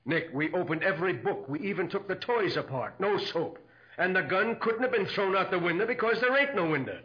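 High-pitched slangy radio cop, lo-fi. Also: male voice, animated, fairly quick. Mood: exasperated. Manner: slangy, blunt, folksy tough-guy talk. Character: plain-spoken, streetwise police detective, slangy sidekick. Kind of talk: 1940s radio crime drama acting. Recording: dull lo-fi 1940s radio recording.

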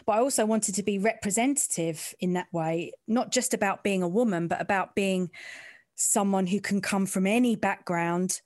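A woman with an East London, Essex-style accent speaks candidly in an interview. Her pitch is average and the sound is dry and close. She talks in an informal, frank, working-class way. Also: moderate pace, darkish tone, no room sound. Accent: East London, Essex-like twang. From East End of London, England. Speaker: sports reporter interviewee.

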